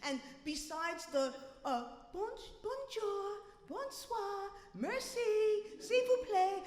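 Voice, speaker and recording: High-voiced New woman telling a story. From New York City. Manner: animated, wry, comic asides. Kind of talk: live personal storytelling. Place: live venue, reverberant room. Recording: echoey hall reverb.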